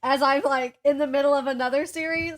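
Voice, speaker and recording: A young woman with a fairly high voice talks casually about books as a podcast co-host. She giggles easily, pokes fun at herself and slips between chatting and reading aloud. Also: fairly even intonation, a little fast. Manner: giggly, self-deprecating. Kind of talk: casual book chat with synopses read aloud.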